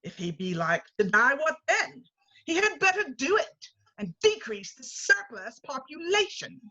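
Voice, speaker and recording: A woman's voice: high-pitched, sing-song, measured pace, sharp tone, lo-fi sound, full character voice. A woman playing a stern, solemn Christmas spirit who rebukes a miser in archaic language, in an amateur dramatic reading. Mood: grave. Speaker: amateur reader, library staff. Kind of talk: dramatic reading of a classic story.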